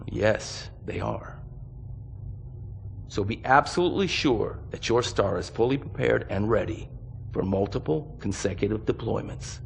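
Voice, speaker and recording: A low, gravelly voice of a stern commander, solemn and measured as in a game cutscene. Faint background noise sits under the orders. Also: male voice. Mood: grave, resolute. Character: grave, commanding male mercenary officer briefing his unit. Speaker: military commander. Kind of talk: dramatic game cutscene acting.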